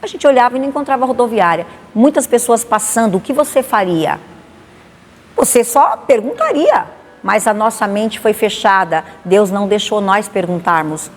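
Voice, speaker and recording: A woman pastor with a Bahian accent, giving a lively spoken testimony and acting out the dialogue. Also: mid-range voice, normal speed. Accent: Bahian Portuguese. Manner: animated, acts out dialogue. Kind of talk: testimony storytelling. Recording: long reverb, faint noise.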